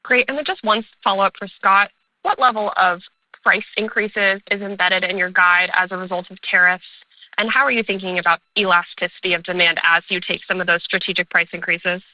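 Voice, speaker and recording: A woman's voice: fairly low pitch, steady tone, brisk, dry recording. A woman working as an analyst, asking a question on an earnings call. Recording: tinny, narrow phone line.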